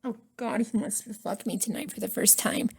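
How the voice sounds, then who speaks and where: Woman doing an anxious, timid college girl, high-pitched. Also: moderate pace, a little mellow, husky. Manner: nervous, timid, pleading. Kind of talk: ASMR roleplay.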